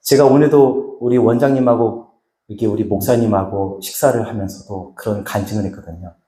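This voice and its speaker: A middle-aged man from Chungcheong giving a dramatic, emotional testimony sermon as a healing minister, going from loud to hushed. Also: fairly low pitch, steady tone, fairly quick. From Chungcheong, Korea. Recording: echoey hall.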